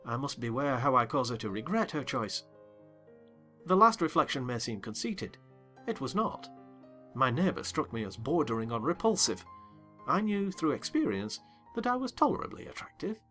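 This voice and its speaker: A man narrating a dramatized audiobook reading, expressive and wry. His pitch moves a lot and his tone is bright, with faint music in the background. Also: normal speed.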